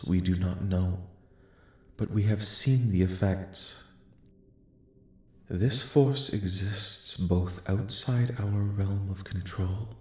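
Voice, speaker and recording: A man playing a calm, benevolent alien envoy in a soft-spoken ASMR roleplay, speaking formally and solemnly in a measured, soothing way. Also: on the low side. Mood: grave. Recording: echoing, reverberant voice track.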